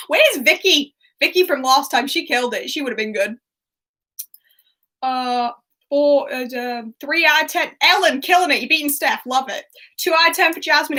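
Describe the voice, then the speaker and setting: Bright, giggly woman hosting a quiz. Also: high-pitched. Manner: chatty, giggly, reads out quotes and scores to viewers. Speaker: quiz host. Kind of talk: livestream pub quiz hosting.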